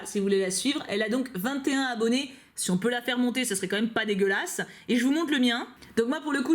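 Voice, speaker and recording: Bubbly woman YouTuber, slightly high voice, rapid casual chat to camera. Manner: chatty, bubbly, many fillers and asides. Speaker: YouTuber reacting to fan mail. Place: at home on a couch, dog nearby.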